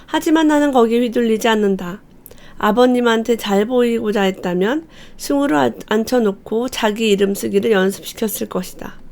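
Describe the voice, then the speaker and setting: A woman hosting a book channel, reading passages from a parenting book aloud and commenting on them, telling the anecdotes in a lively way. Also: on the high side, moderate pace. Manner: lively storyteller who acts out quoted lines.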